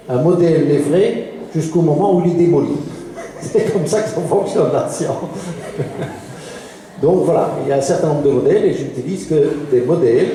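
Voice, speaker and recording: Belgian lecturer from Liège, fifties, man, deep mellow tone, hesitant with fillers, heavy hall echo. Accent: Liège Belgian French. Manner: hesitant, frequent fillers, chuckles between points. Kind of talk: public lecture. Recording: echoey hall with long reverb.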